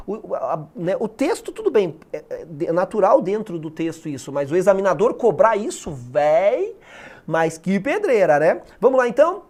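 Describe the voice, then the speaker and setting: A man with a Brazilian Portuguese accent teaching English for an exam in a video lesson, colloquial and lively, asking the listener rhetorical questions. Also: high-pitched.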